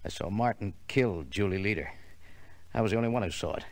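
Low-pitched wary American tough guy, acted by a man. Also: quick pace, darkish tone, no echo, close to an everyday voice. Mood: weary, relenting. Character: wary, cornered male tough guy on the run. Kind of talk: 1950s radio drama acting.

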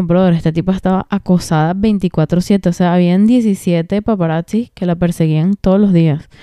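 Mellow-voiced woman podcaster. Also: medium pitch, clean tone, no room sound. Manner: emphatic and slangy, drops in English phrases. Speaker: podcast host. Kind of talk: casual podcast commentary.

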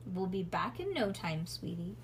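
Woman playing a calm, firm storybook mother. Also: high voice, moderate pace, a little hiss or hum. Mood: soothing. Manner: calm, reassuring but firm. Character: calm, patient, firm mother of young girls.

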